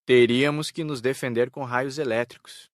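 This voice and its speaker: Male actor as calm spirit rescuer, Brazilian, medium pitch, unafraid, dry audiobook recording. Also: normal speed, no echo, natural voice. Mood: tranquil. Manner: tranquil, matter-of-fact. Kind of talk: dramatised audiobook dialogue.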